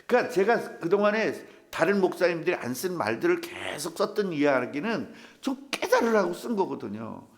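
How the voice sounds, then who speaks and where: An older male pastor preaches in a church, telling funny stories and acting out what people said. His voice is a touch higher than most men's, and it has a gravelly edge. His pitch swings widely as he animates each anecdote. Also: very animated, moderate pace, hardly any pauses. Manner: humorous storytelling, acts out quoted voices. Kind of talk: sermon.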